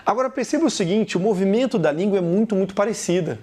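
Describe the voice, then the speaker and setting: A man with a Brazilian Portuguese accent teaching a recorded video lesson, talking straight to the viewer and repeating example words slowly. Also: high voice, expressive, warm tone.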